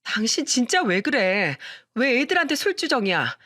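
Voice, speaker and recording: A woman's voice: mid-range voice, sing-song, moderate pace, fairly bright tone. A woman reading a radio story, voicing an exasperated young wife who sharply scolds her drunk husband. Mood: scolding.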